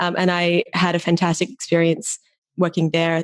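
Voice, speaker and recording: Speaking with an Australian accent, a woman has a fairly low pitch and a moderate pace. The sound is dry and close with no echo, over a quiet background. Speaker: app co-founder, behavioral scientist. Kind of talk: interview.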